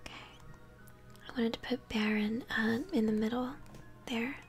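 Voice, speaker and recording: A woman's voice: a little high, level tone, normal speed. A young woman whispers ASMR game commentary, chatting encouragingly to her viewers. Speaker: game streamer. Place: indoor room at home. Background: video game music.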